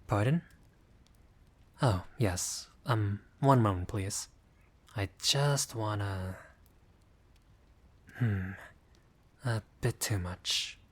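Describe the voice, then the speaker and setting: A friendly gentleman vampire, acted by a man in an intimate roleplay audio. His voice sits a little low. He talks with old-fashioned courtesy, choosing formal words with a bashful, hesitant politeness. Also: extremely slow, long pauses, slightly rough, heavily acted.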